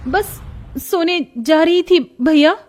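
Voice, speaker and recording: Timid young cartoon woman, stammering, high-pitched, slow, soft. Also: lively intonation, faint music behind, full character voice. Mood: frightened.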